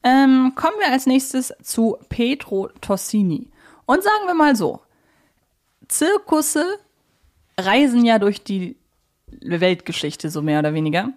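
A woman's voice: a little high, very animated, a little slow. A woman co-hosting a podcast in a casual fan discussion, speaking in a reflective and opinionated way. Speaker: podcast co-host.

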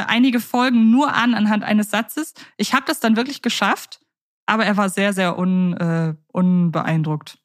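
A woman co-hosting a podcast, chatting playfully in long winding sentences. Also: fairly high pitch. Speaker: podcast co-host. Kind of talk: casual podcast chat.

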